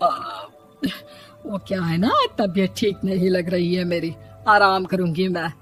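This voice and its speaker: A woman voicing an irritable, proud middle-aged mother-in-law in an animated story, nagging and scolding with exasperation. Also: lowish voice, measured pace, soft background music, lightly acted. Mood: evasive.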